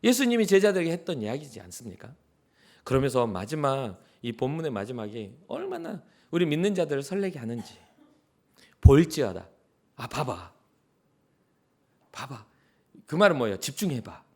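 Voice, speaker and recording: A middle-aged pastor gives a lively, conversational sermon. His pitch swings widely as he acts out quotes. At times he drops to near-whispers. He speaks at a mid pitch for a man. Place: church sanctuary.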